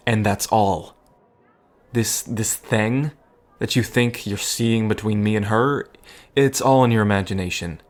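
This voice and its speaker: An actor in an audio drama playing a guarded, pragmatic worrier, earnest and defensive, sometimes halting. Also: male voice, fairly low pitch, close to an everyday voice. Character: guarded, worrying man, pragmatic, once heartbroken.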